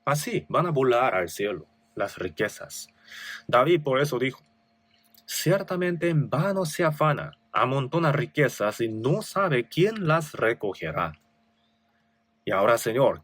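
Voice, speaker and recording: A man's voice: mid-range voice, very animated, a little slow, a bit bright, no echo. A male pastor with a Korean accent preaching a sermon, reading scripture with rising emphasis and asking rhetorical questions.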